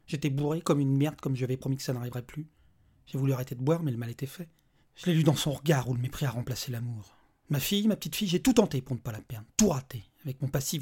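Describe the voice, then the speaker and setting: A man's voice: a little high, slightly rough. A man playing a furious, cursing father. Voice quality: shouting, cursing, explosive. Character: volatile desperate human father, furious then broken.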